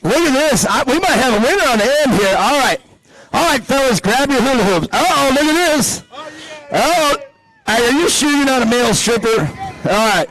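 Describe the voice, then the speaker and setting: A man announcing live at an outdoor off-road race track, energetic and joking as he hypes the crowd. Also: extremely high pitch, normal speed, poor audio.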